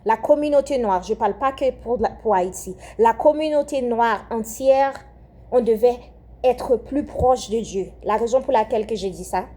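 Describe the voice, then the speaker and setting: A woman's voice: a little high, moderate pace, mellow. A young Haitian-born woman with a French accent giving a fervent spoken prayer message, repeating phrases and often restarting her sentences. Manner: fervent, repetitive, with hesitations and restarts.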